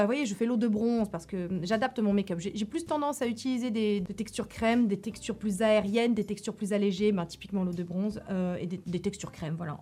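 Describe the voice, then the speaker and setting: A woman's voice: mid-range voice, darkish tone. A woman chatting casually on her beauty channel, enthusiastic, with many fillers and restarts. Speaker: beauty YouTuber. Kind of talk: casual product review chat.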